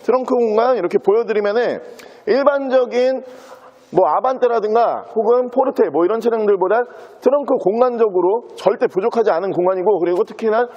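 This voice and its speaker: A man with a very high-pitched voice presents a used car as its dealer. He delivers a fluent sales patter, moving through the walkaround like a practised car salesman. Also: brisk, darkish tone, dull audio.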